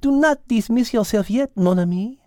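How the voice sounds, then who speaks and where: A woman's voice: fairly high pitch, mellow, dry recording, clean studio sound, pitched above the performer's own voice, lightly acted. A woman voicing a gracious, wise and stern female black cat with a French accent, speaking formally in a storybook. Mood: kindly encouraging. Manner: measured, formal, slow and deliberate.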